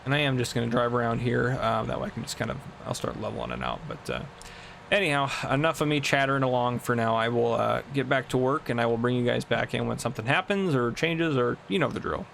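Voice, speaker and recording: Chatty young man with gravelly voice. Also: medium pitch, animated, fast, fairly bright tone, slight background noise. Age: 20s. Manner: chatty, rambling, laughs often. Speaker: gaming channel host. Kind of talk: casual gameplay commentary. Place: home room.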